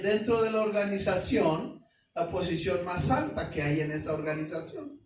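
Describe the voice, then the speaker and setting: Mexican pastor in his 40s, storytelling sermon, high voice, big echoey room. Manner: lively storytelling with colloquial asides and rhetorical questions. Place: church hall. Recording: echoey church hall, mic at a distance.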